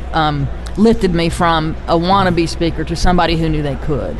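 Recorded with noticeable background noise and audible room echo, a woman with an American accent speaks at a moderate pace. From US South, Greenville, South Carolina. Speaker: accountant and comedic speaker. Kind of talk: interview. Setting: conference venue.

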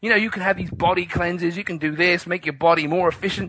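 Raising and projecting his voice, a man talks at a fairly quick pace in a bright, sharp tone. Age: 50s. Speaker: radio host and fitness instructor. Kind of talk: talk radio monologue.

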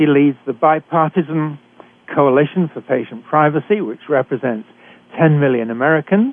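A man with a British accent talks at a moderate pace in a fairly high voice, his pitch varying in an ordinary way. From Britain. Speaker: radio host, retired physician. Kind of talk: talk radio interview.

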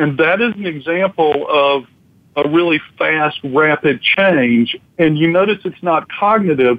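In a Southern US accent, a man talks at a fairly slow pace and a fairly high pitch with ordinary pitch variation. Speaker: counselor and hypnotherapist. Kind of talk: interview. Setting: phone call.

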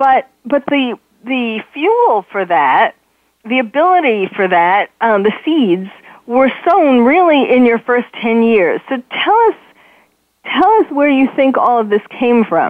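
A woman's high voice with very wide pitch swings, very even loudness and a very slow pace. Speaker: psychiatrist radio host. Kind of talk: radio interview.

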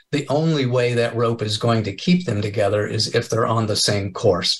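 A man's somewhat breathy voice, with an American accent, moves at a moderate speed. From US Midwest (Wichita, Kansas). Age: 70s. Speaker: business coach and author. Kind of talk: radio interview.

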